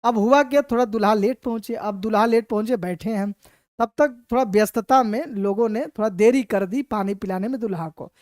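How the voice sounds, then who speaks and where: A woman's voice: on the high side, fairly quick, no room sound, studio quality. Woman teaching through a story. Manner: lively, dramatizing, repeats mnemonic phrases. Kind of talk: storytelling lesson.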